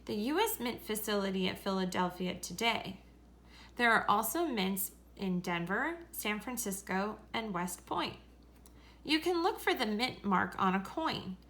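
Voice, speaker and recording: Slow-paced woman reading a children's story. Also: mid-range voice, lively intonation, fairly bright tone. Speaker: story reader. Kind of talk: read-aloud children's story narration.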